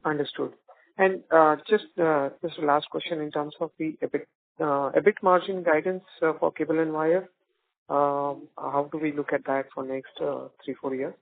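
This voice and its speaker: Hesitant gravelly man on phone. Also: a little high, fairly even intonation. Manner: hesitant, halting. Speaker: financial analyst. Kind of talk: questioning on an earnings call. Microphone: phone call. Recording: tinny phone line.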